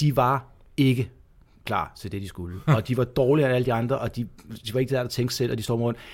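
A man's somewhat breathy, medium-pitched voice at a very fast pace with fairly even intonation, in a very clean recording with a silent background. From Denmark, North Zealand (Holte). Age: middle-aged. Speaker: podcast host. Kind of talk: casual chat.

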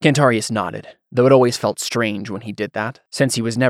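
Someone does plain reading aloud over a quiet background.

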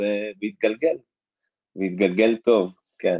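A man's fairly low voice at a very slow pace with ordinary pitch variation. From Israel, Jaffa. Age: 30s. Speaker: real estate agency owner. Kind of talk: interview.

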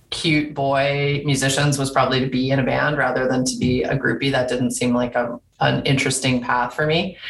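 A woman talks with a very deep, low pitch and ordinary pitch variation. Room echo is audible, and background noise is noticeable. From New York City (Manhattan, Hell's Kitchen). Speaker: music industry executive. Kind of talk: interview. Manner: casual, with fillers.

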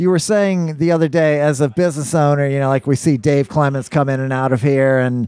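Amid noticeable background noise, a man with a fairly high voice speaks at a fairly quick pace with ordinary pitch variation. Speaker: podcast host. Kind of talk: casual chat. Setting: lounge with microphones. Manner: halting.

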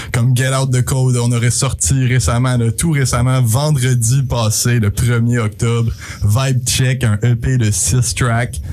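Through noticeable background noise, a man talks very slowly with fairly even intonation. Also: medium pitch for a man, very even loudness. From Quebec, Saint-Jean-sur-Richelieu. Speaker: rapper. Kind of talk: interview. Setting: studio.

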